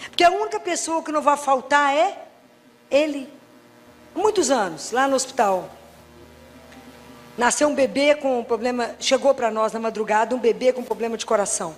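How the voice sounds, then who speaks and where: A woman's voice: high-pitched, normal speed, long pauses. A middle-aged woman from Brazil, a doctor giving a faith talk full of personal stories, chatting with her listeners and acting out the dialogue. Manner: conversational, storytelling, acts out dialogue, humorous asides. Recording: reverberant hall.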